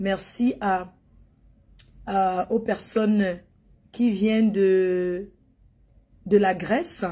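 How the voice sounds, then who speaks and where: Against a quiet background, a woman sounds somewhat breathy, with ordinary pitch variation. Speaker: event promoter host. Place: home room. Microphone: phone near.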